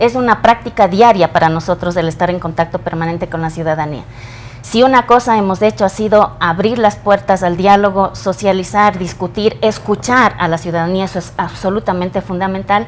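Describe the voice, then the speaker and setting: Over music in the background, a woman talks at a fairly quick pace and medium pitch, with ordinary pitch variation. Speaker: legislator representing emigrants. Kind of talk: interview.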